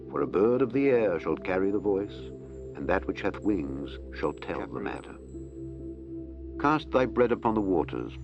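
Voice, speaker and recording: Male narrator, low register, solemn and declamatory scripture read, measured delivery, clear music bed underneath. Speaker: audiobook narrator. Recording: music behind the voice. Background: background music.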